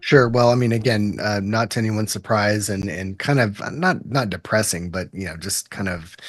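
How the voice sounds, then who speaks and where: With an American accent and a fairly low pitch, a man talks at a moderate pace with ordinary pitch variation and hardly any pauses against a quiet background. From Texas. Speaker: podcast co-host. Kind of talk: casual chat. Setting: livestream.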